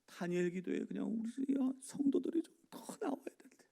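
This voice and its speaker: A pastor preaching a sermon in a church, swinging between loud exhortation and hushed, near-whispered asides. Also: male voice, high-pitched, big pitch swings, brisk, creaky, slightly rough. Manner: acts out congregation members' complaints in changed voices. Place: church sanctuary.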